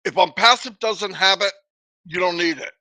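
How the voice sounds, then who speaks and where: A man's voice: high-pitched, normal speed, pushed and bright, dry recording. A man hosting a motivational livestream, emphatic and repetitive, with a runny nose and a cough. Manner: emphatic, repetitive, preachy pep talk. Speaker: livestream host.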